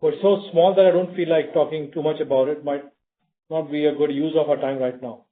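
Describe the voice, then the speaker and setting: A man's voice: on the high side, fairly even intonation, fairly quick, narrow, tinny audio. A man answering as a company executive on a conference call, in an informal, conversational way. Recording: thin telephone conference line.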